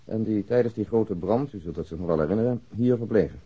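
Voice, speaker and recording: A man's voice: on the low side, quick pace, husky. A man playing a polite police investigator in a radio drama, speaking formally and precisely. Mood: polite, official. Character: businesslike, polite male police investigator giving facts. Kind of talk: Dutch radio drama acting. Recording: dull, lo-fi radio drama recording.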